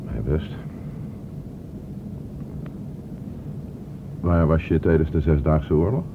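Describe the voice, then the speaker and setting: Deep-voiced, fussing, probing father. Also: fairly even intonation, normal speed. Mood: questioning. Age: middle-aged. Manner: insistent questioning, fussing. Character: talkative, probing father eager to know his estranged son. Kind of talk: Dutch radio play acting. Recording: muffled, noisy old radio play recording.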